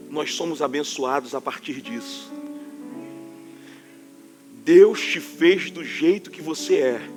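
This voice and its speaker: A Carioca man preaching in a high voice with forceful emphasis that sounds like scolding. A faint instrument plays under his words. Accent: Carioca Portuguese. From Rio de Janeiro, Brazil. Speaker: pastor. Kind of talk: sermon.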